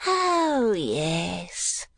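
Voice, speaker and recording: A man's voice: big pitch swings, slow pace, gravelly, dry recording, heavily acted. A man voicing a spiteful, lecherous old miser in an audiobook, with a cracked, sneering voice. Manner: sneering, wheedling, shrill outbursts. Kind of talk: dramatised audiobook reading.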